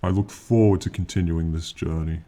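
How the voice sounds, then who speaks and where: A man voicing an ancient, proud male dragon in an ASMR fantasy roleplay, speaking slowly and formally with lofty, condescending yet fond authority. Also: deep voice, fairly even intonation, mellow, natural voice. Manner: slow, formal, lofty, archaic phrasing.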